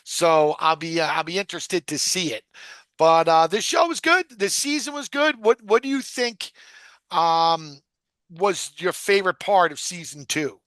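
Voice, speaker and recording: Guy hosting a rewatch podcast, bright voice, dry close sound, swears a lot and rambles. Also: on the high side, measured pace, no room sound. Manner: profane, rambling, full of fillers. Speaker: podcast host. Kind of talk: casual rewatch podcast chat.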